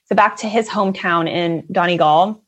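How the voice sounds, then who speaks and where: A young woman from the Netherlands, a financial advisor, chatting casually as a guest with frequent fillers and quick laughs. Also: on the low side, a bit bright. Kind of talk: casual interview chat.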